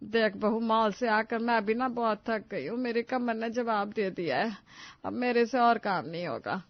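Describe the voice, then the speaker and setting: A woman voicing a dramatic, complaining elderly mother-in-law in an animated story, wailing and melodramatic. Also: fairly high pitch, moderate pace, no echo, highs cut off, natural voice. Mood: weary.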